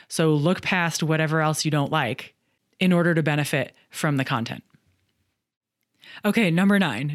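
A woman's voice: deep voice, no echo, clean studio sound. A middle-aged woman hosting a solo podcast, talking through book reviews in a candid, chatty way with some self-deprecating humor. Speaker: podcast host and coach.

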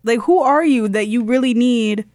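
A woman's voice: on the high side, normal speed, a little mellow, dry recording, studio quality. A woman co-hosting a podcast, reacting with emphatic quips and frequent laughter. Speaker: podcast co-host. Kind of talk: casual gossip chat.

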